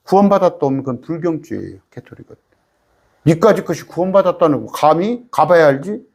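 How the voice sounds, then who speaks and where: Jeolla guy preaching bible study, emphatic and folksy, voice a bit high. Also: a little fast. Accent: Jeolla Korean. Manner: lively, emphatic, folksy preaching with rhetorical questions. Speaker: pastor.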